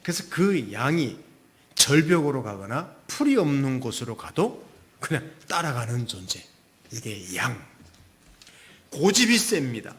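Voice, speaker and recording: A man delivers a Sunday sermon as a pastor. He talks in a loose, conversational way and drops in offhand asides. His pitch swings widely from phrase to phrase. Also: measured pace. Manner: relaxed, conversational preaching with asides.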